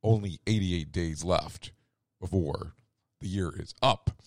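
A man hosts a radio talk show while his voice is going hoarse. His low voice sounds dry and close. He rambles through the news, corrects himself often and drops sarcastic asides. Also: slow, dry recording. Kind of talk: casual news commentary.

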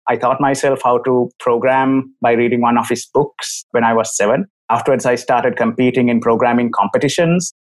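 A man in his thirties from Sri Lanka with a Sri Lankan accent, a doctor guest telling his story frankly and articulately over a video call. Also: mid-range voice. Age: 30s. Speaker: doctor and company CEO, guest. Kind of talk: casual interview.

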